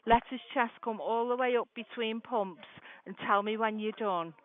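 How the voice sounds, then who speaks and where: A woman working as an emergency dispatcher, calmly and methodically giving step-by-step first aid instructions over the phone with an encouraging manner. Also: on the high side, normal speed. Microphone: telephone call. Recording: narrow, muffled emergency phone line.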